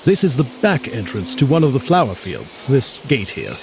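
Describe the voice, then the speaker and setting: A man's voice: medium pitch, wildly swooping pitch, normal speed, gravelly, background noise. A man playing an erudite, genial mutant scientist in an audio drama, speaking in a florid, pompous, theatrical manner with bookish words. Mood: jolly, encouraging. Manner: florid, pompous, bookish vocabulary with emphatic delivery. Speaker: scientist guide.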